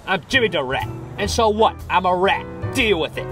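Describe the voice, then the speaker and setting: A man's voice: high voice, expressive, moderate pace, fairly bright tone, soft background music. A man voicing a brash, defensive street-tough cartoon rat in a cocky, confrontational way. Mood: cocky, defiant. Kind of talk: character voice demo.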